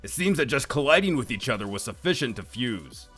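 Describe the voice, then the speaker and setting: A man voicing a grave, wary warrior who speaks seriously, with a gravelly, husky voice. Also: medium pitch, big pitch swings, pushed and bright, soft background music, heavily acted. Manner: serious, measured explaining. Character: grave, wary male warrior, low and watchful.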